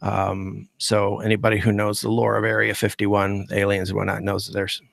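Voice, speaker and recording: A man's voice: fairly low pitch, completely flat delivery, normal speed, creaky, no echo, clean studio sound. A man talking casually on a video call as a guest host, rambling with fillers and restarts. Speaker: guest host, podcast creator.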